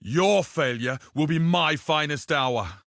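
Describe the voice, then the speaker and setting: An actor playing a proud, fierce, honour-bound tribal warrior in a video game, with a solemn, declamatory delivery. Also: male voice, fairly high pitch, slow pace, gravelly, fairly bright tone, no room sound, clean studio sound, heavily acted. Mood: fierce battle cry. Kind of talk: video game character voice lines.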